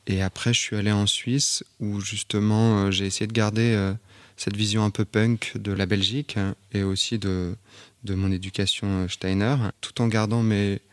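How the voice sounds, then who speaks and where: Low, flat-voiced hesitant Frenchman. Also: normal speed, no room sound. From Auvergne, France. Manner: hesitant, many fillers and restarts. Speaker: photographer and artist, podcast guest. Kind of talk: reflective interview talk.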